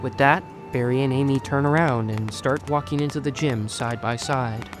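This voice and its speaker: A man's voice: medium pitch, normal speed. A man reading scripted third-person story narration for an audio drama. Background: music under the voice.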